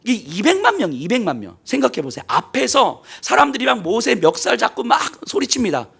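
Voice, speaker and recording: A man preaching a sermon as pastor, telling the story dramatically and acting out the voices of people in it, swinging between loud bursts and hushed near-whispers. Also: very high-pitched, big pitch swings, brisk, creaky, slightly rough. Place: church sanctuary.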